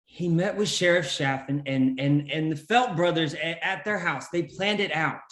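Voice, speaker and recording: A man's voice: on the high side, moderate pace, fairly bright tone, echoey room, close to an everyday voice. A man acting a beaten, jailed man who pleads insistently, in a table read of a period Western drama. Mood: urgent.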